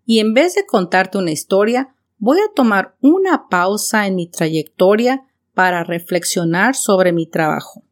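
Mexican lady in her 30s hosting a learner podcast, slow clear friendly talk. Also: medium pitch, lively intonation. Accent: Mexican Spanish. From Mexico City. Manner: slow, clear, friendly delivery addressing the listener directly. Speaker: podcast host and bilingual teacher. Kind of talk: scripted podcast monologue for learners.

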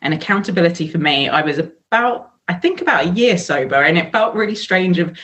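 A woman's voice: on the low side, lively intonation, fairly quick, a bit bright. An English woman in her thirties, a sobriety coach, talking candidly as a podcast guest with frequent fillers. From England. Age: 30s. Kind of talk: casual podcast interview.

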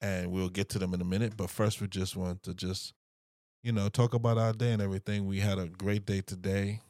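A man hosts a podcast in a loose, friendly way, chuckling often and circling back on his words. His voice sits a bit low, and the sound is dry and close. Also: level tone, brisk, a little mellow, no room sound. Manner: friendly, chuckling, repeats himself. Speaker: podcast host. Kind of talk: casual chat.

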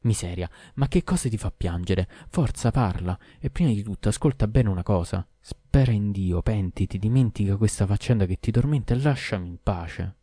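A man's voice: fairly low pitch, animated, normal speed, hardly any pauses, dark tone, no echo, studio quality. A man voicing a weary, exasperated merchant in an audiobook, speaking emphatically. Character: weary merchant who understands animals, adult man. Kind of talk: audiobook character voice.

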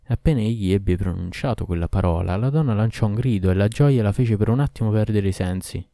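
Guy reading a fairy tale audiobook, low voice, really dark and mellow. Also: fairly quick, creaky, no echo. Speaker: narrator. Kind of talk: audiobook narration of a folk tale.

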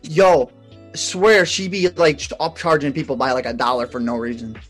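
A man's voice: mid-range voice, steady tone, normal speed, faint music behind. A man co-hosting a podcast, telling a story in loose, slangy, rambling casual chat full of fillers. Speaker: podcast co-host.

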